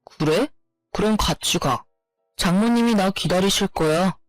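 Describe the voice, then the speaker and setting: A woman's voice: mid-range voice, a little slow, dry recording, faint music behind, close to an everyday voice. A woman voicing a selfish, dismissive husband who brushes off complaints, in a storytelling narration. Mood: offhand. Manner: offhand, dismissive.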